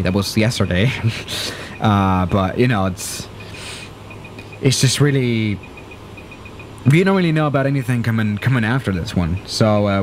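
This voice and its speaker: With a medium-pitched voice, a young man gives loose, chatty live commentary on his flight sim, getting rattled when emergencies hit. He uses a desk-mounted studio mic in a small room, and there's slight hiss or hum.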